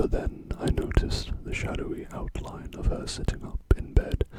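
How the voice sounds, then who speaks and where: Whispered words come at a fairly slow pace, with noticeable background noise underneath. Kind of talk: ASMR horror story reading.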